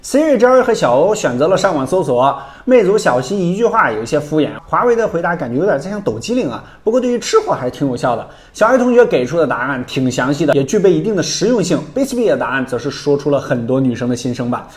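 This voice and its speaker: Fast-talking man with lively, swooping intonation. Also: a little high. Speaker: tech reviewer and host. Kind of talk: scripted review narration.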